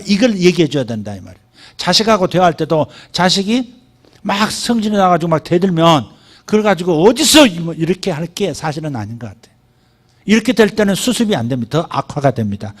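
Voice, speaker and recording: A middle-aged man preaching a sermon as pastor, animated, acting out quoted speech in a rising voice. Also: fairly high pitch.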